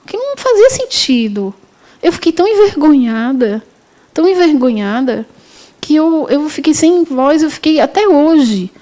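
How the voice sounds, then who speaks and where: A middle-aged woman teaches a spiritist course. Her voice sits high, with a mellow, warm tone. She talks in a loose, conversational way, often restarting and correcting herself. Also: big pitch swings, measured pace. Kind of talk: storytelling lecture.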